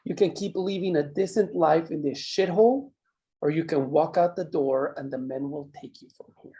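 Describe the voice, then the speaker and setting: A man acting a menacing mine boss in a drama table read, speaking in measured, condescending threats. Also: a little high, warm tone, lightly acted. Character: menacing, controlling male mine boss, coolly cruel.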